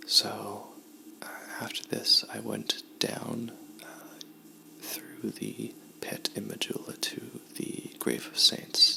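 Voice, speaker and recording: Whispering in a relaxed tone at a very slow pace, a man leaves long, frequent pauses, his loudness swinging widely over noticeable background noise. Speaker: ASMR video game commentator. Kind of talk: ASMR gameplay commentary, casual talk to camera. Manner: soft-spoken, whispering, relaxed.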